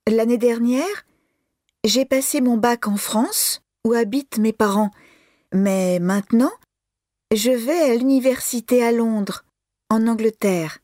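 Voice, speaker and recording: A woman in her twenties voicing a young student who hopes to be a journalist, reading a scripted monologue slowly and carefully. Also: a little high, no room sound, studio quality. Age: 20s. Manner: slow, careful, even delivery. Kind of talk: scripted listening-exam monologue.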